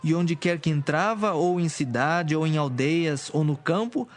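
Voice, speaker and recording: A man's voice: on the high side, measured pace, slight background noise. A man giving solemn scripted narration as the narrator of a dramatized Bible. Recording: music behind.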